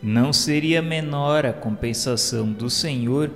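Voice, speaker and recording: A man with a Brazilian accent reading scripted religious narration for a radio drama in a solemn, formal, measured way. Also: medium pitch. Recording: long reverb, music underneath. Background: music.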